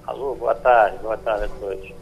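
A man's voice: fairly low pitch, steady tone, normal speed, gravelly, slightly rough, dull audio. A man, calling in hesitantly to ask a doctor about pain. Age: 50s. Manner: hesitant, plain-spoken. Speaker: caller.

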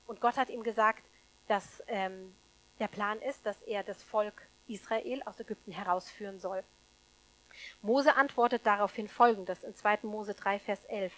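A woman preaches a sermon to a congregation in a medium-pitched, unhurried voice, emphatic and shifting between loud stresses and hushed asides. She poses rhetorical questions to her listeners, and the audio quality is poor.

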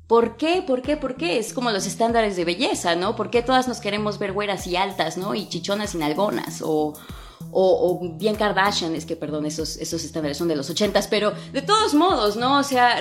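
A woman with a Mexican Spanish accent, an English teacher and podcaster, talking in a blunt, slangy, casual monologue full of swearing and rhetorical questions. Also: mid-range voice.

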